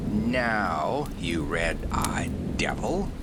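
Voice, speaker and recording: Whispering in a put-on character voice, a man speaks. Loud background noise is present throughout. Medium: read story. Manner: calm, grim, matter-of-fact.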